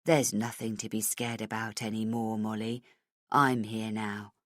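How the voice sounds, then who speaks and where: A woman voicing a menacing older male police chief who taunts in a low, hushed voice. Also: animated, a little slow, dry recording, clean studio sound, full character voice. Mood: soothing. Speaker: voice acted by audiobook narrator.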